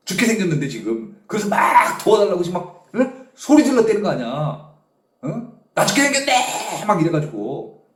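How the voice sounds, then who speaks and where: A male pastor giving an animated sermon, often prompting listeners with short questions. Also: high-pitched. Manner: animated storytelling, constant "eh?" prompts to the audience. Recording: echoey room.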